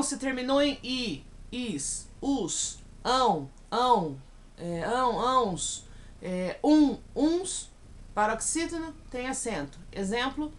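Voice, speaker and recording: A woman with a Brazilian Portuguese accent teaching in a recorded video lesson, slowly spelling out example words and often checking in with her students. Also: mid-range voice. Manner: checks in with frequent "tá bom?".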